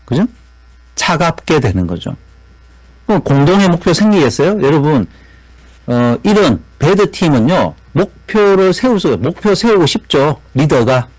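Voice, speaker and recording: A man's voice: on the high side, measured pace, no echo, rough recording. A man lecturing at a business seminar, asking the audience rhetorical questions and adding tag questions as he goes. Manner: animated, frequent rhetorical questions, repeated tag "그죠?".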